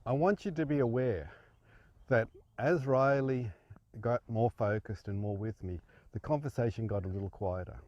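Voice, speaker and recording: Man, horse trainer, calm, patient, coaxing, mid-pitched, dry dull lo-fi sound. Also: moderate pace, no echo. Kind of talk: teaching talk while working a horse.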